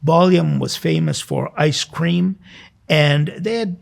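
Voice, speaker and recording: A man's voice: fairly high pitch, slow, vocal fry. A middle-aged or older American man, a priest, giving an informal sermon with personal stories in a conversational, reflective way. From Southern California, United States. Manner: conversational, reflective, rhetorical questions. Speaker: priest, host.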